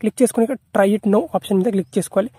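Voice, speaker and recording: A man's voice: sits high, fairly even intonation, racing, warm tone, breathy edge, dry recording, studio quality. A man narrating an app tutorial in a repetitive, instructional way, mixing in English tech terms.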